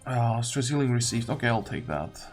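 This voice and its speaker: A man giving casual gameplay commentary, thinking aloud as he deliberates step by step. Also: mid-range voice, expressive. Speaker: gamer narrating own playthrough. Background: game music.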